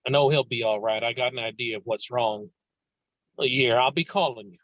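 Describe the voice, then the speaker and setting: A man's voice: mid-range voice, fairly quick, a bit bright, no echo, dull audio, natural voice. A man playing a domineering, blustering 1920s businessman father in a table read, brusque and insistent. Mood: brusque, confiding.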